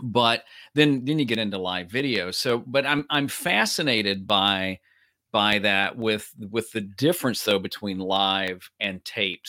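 The recording is very clean and the background silent. A man's medium-pitched voice shows ordinary pitch variation. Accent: Southern US. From Nashville, Tennessee. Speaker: podcast host, former radio and TV presenter. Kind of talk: casual interview chat; scripted podcast outro.

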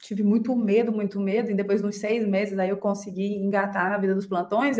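Against noticeable background noise, a woman with a medium pitch talks at a fairly quick pace and fairly even intonation. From Brazil, Maranhão (Imperatriz). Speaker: doctor and finance content creator. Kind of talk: casual interview.

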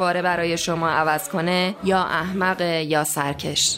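Speaking at a very slow pace, a woman uses a dramatic tone at a medium pitch. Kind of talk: dramatic narration of book excerpt. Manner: theatrical, intense, impassioned delivery of a rousing speech; storytelling pace with dramatic emphasis.

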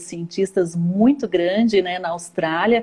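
Fairly even intonation runs through a normal speaking voice. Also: woman. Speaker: radio and online show host. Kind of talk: live interview show. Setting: remote live stream, away from studio.

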